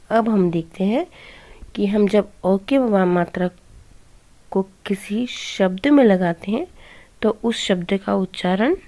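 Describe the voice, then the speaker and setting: A woman primary teacher giving a children's Hindi lesson, sounding out each syllable slowly and asking the class to repeat after her. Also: mid-range voice, dark tone.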